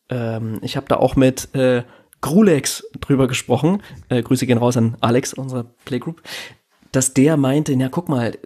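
Husky German man musing on a podcast. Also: mid-range voice, a little mellow. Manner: reflective, rambling with restarts and fillers. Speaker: podcast host. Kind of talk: casual podcast discussion.

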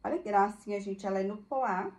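A chatty Brazilian thrift seller gushes over items during a casual live product showcase, calling her viewers "girls." She speaks fairly quickly in a mid-range, slightly mellow voice.

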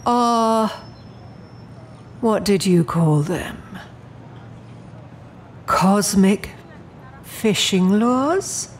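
A woman's voice: medium pitch, very slow, pauses often, slight background noise. A woman playing a poised, menacing immortal demon in an audio drama, speaking in a genteel, coolly imperious way. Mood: composed, reflective.

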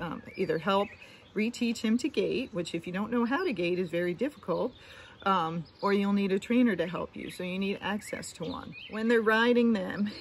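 A woman's voice: fairly low pitch, a little hiss or hum. A middle-aged woman horse trainer talking to camera outdoors, giving practical advice and repeating her points. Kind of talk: instructional talk to camera. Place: outdoor deck among trees. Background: birdsong and outdoor ambience.

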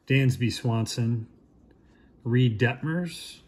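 A man in his thirties opens packs at a shop counter, offering casual, low-key commentary and naming each player as it appears. His voice is creaky and a little mellow.

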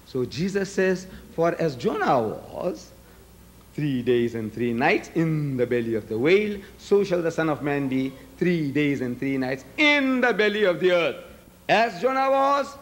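An older man whose first language is Gujarati, arguing emphatically at a podium in a large hall, firing rhetorical questions at the audience. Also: a little high. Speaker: debater. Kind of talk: public debate speech. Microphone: podium microphones.

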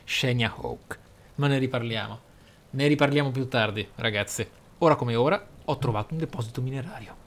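Speaking briskly in a mid-range voice, a man hosts a gaming video, offering casual yet showy commentary with flowery turns of phrase and exclamations as game music runs behind him.

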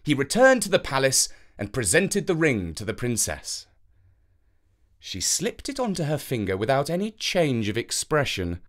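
A woman narrating a children's fairytale as an expressive storyteller. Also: rumbling low, normal speed.

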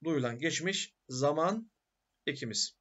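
A man's voice: a little high, expressive, a little slow, fairly bright tone, husky, dull audio. A male teacher giving a grammar lecture who asks questions and answers them himself.

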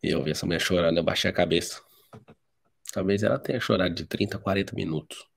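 A man's voice: sits low, fast, vocal fry, breathy edge. A man with a Brazilian Portuguese accent, preaching a live devotional sermon, telling stories bluntly and directly.

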